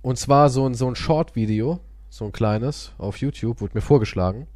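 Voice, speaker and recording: A man's voice: medium pitch, moderate pace, dry recording, studio quality. A man hosting a casual podcast, telling stories theatrically and teasing his co-host with sarcasm. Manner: animated, theatrical storytelling.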